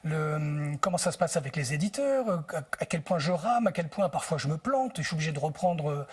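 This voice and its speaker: A man interviewed on television about his work translating books tells stories in a reflective way, sometimes hunting for the right word. He talks a little fast, with a voice on the high side and lively intonation.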